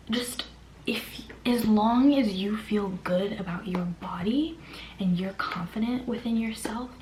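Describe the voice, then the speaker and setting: A woman's voice: medium pitch, darkish tone. A young woman whispering a personal story in a chatty way, full of "like" fillers. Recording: echoey room with faint hiss.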